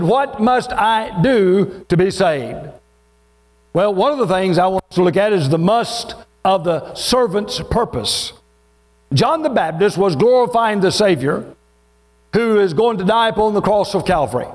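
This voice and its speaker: A man preaches to his congregation in a folksy, joking way. His voice sits high for a man, and he stretches out the scripture readings. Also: expressive, normal speed. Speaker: pastor. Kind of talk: sermon.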